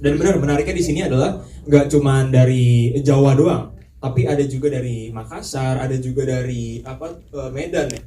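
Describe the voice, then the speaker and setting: Relaxed slangy young man, echoey hall. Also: medium pitch, fairly quick, far from the mic, a little hiss or hum. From Kalimantan. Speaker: film actor at a press conference. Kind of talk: casual chat.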